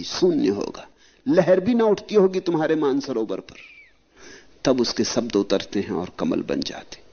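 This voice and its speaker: A man giving a devotional spiritual discourse, speaking slowly and lingering on his phrases, reciting verses at a slow pace, then rising suddenly into high, emphatic lines. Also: dark tone, dull audio.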